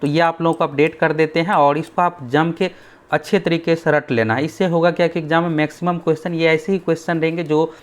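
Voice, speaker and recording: A man's voice: on the high side, level tone, brisk. A young man teaching exam aspirants in a casual explainer, speaking straight to students and repeatedly telling them to look at each point. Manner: talks straight to students, keeps repeating "dekhiyega"; pushes his course and app. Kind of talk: explainer video on exam updates.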